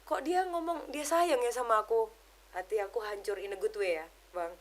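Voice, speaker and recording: A woman giving an emotional personal testimony as a podcast guest, telling it in an animated way and keeping the host close in the talk. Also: on the high side, normal speed. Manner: animated storytelling, keeps addressing the host as brother; drops English words into her speech.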